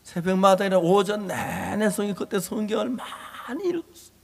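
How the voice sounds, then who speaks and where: High-voiced, impassioned male preacher. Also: expressive, normal speed, vocal fry. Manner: emphatic, repetitive, swinging from loud to hushed. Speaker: pastor. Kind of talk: impassioned sermon. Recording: long hall reverb.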